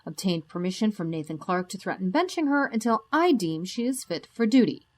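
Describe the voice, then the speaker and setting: A woman's voice: mid-range voice, very animated, a little fast, lightly acted. An actress playing a skeptical woman psychologist with a clipped, clinical manner in an audio drama.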